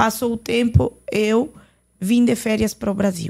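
The speaker talks at a fairly slow pace with an Arabic accent. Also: woman. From Lebanon. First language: Arabic (speaking Portuguese). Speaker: missionary. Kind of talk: testimony.

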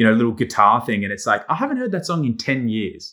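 The voice has a bright, sharp tone and lively intonation. The recording is very clean, with a silent background. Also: man. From Australia (Sydney). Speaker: DJ and music label manager. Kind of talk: casual chat.

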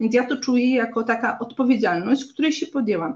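A woman talks very fast in a high-pitched voice. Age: 30s. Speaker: leather handbag business owner. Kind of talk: live interview.

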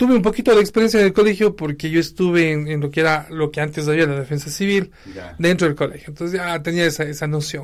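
Over a very clean recording with a silent background, a man talks at a very fast pace with hardly any pauses, a fairly high pitch and ordinary pitch variation. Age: 30s. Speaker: Red Cross provincial president. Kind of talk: interview.

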